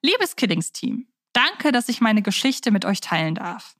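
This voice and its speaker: A woman's voice: a little high, very animated, a little slow, fairly bright tone, no echo, studio quality. A woman hosting a podcast, talking casually and reading aloud in a conversational presenter's way. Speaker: podcast host.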